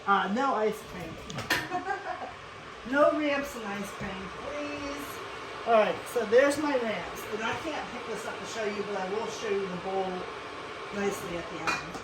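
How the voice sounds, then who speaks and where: Her mid-range voice moves a little slowly as she hosts a casual cooking demo, explaining steps chattily and adding frequent asides. She's from Western Pennsylvania, USA, and the recording has an echoey room with clear background noise.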